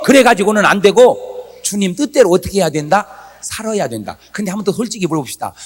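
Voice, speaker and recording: Animated preaching man, booming hall. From South Korea. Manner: animated, shouting bursts and dramatic quoted prayers. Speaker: pastor. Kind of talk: revival sermon. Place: church sanctuary before a congregation.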